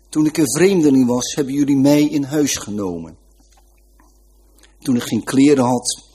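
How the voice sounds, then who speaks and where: A man gently and earnestly narrating a Christian Christmas story, voicing the people in it as he reads. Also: medium pitch, slight background noise.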